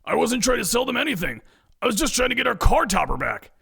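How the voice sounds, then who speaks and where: Frustrated male delivery driver for a story, acted by the male narrator, higher-pitched, urgent delivery. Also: very animated, fairly quick, vocal fry, fairly bright tone, breathy edge, no room sound, clean studio sound, full character voice. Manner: urgent, emphatic.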